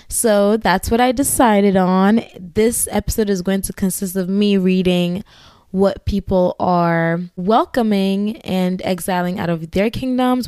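A woman with a Ghanaian accent hosts her podcast alone, talking in a loose, rambling way with little giggly asides. Her voice sits at a middling pitch and comes through dry and close, with no room sound around it. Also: darkish tone, clear, resonant tone, no room sound. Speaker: podcast host. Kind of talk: casual solo podcast chat.

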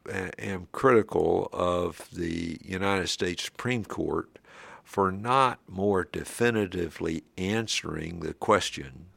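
An older man, once a high court justice, answers interview questions deliberately and weighs each word. His voice is very deep and gravelly, and he speaks slowly. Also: fairly bright tone, dry recording. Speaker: former state supreme court justice.

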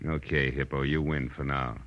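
Low-voiced, hard-boiled American gumshoe, sardonic and wisecracking, 1940s radio style. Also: male voice, flat delivery, moderate pace, dull audio. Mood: sardonic, defiant. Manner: wisecracking, clipped tough-guy delivery. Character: hard-boiled male private detective, sardonic and tough. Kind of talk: 1940s radio detective acting and first-person narration.

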